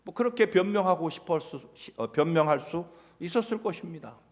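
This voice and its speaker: A male pastor preaching a sermon in a dramatic way, acting out imagined dialogue and swinging from loud to soft. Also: sits high, animated, fairly quick. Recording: long church hall reverb.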